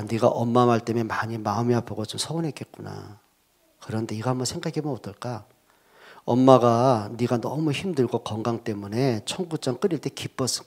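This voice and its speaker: A male pastor preaching a sermon, telling stories in an animated way with joking asides. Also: mid-range voice.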